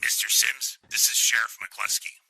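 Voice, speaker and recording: A man playing a grave, formal sheriff in an audio drama, speaking in a measured, official way. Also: medium pitch, fairly even intonation, bright, forceful tone, breathy edge, heavily acted, poor audio.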